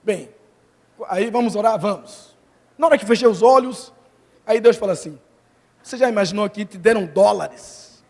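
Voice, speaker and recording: A missionary preacher telling a personal story in a sermon, acting out the voices of the people in it. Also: male voice, high voice, moderate pace, vocal fry, long pauses. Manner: animated storytelling, acts out quoted voices. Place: large church hall. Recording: long hall reverb from the church.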